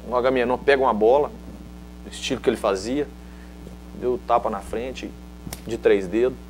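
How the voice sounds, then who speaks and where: With soft background music, a middle-aged man from Minas Gerais talks at a moderate pace in a mid-range voice. A former footballer with a Mineiro Brazilian Portuguese accent, he spins anecdotes in a casual interview. He brings them to life by acting out other people's lines.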